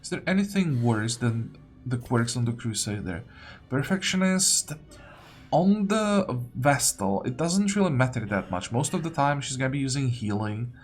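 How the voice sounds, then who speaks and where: A man commentates on his own gameplay at an unhurried, slow pace. His mid-pitched voice has a lot of fry in it. He muses hesitantly to himself as he works through decisions, with faint music behind him. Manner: musing, hesitant, talking to himself. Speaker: gaming video host. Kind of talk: unscripted game commentary, thinking aloud.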